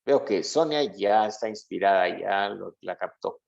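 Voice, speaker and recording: A man's voice: fairly low pitch, expressive, unhurried, gravelly, darkish tone. Man teaching the Bible, muffled audio. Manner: didactic, often checks understanding with short questions. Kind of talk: interactive Bible lesson to a congregation.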